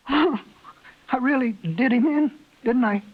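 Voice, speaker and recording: A timid, bashful ship passenger. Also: male voice, extremely high pitch, drawn-out words, full character voice. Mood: hushed, startled. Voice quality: soft, hesitant, timid. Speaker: lead actor. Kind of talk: 1950s radio drama acting. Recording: muffled old 1950s radio broadcast.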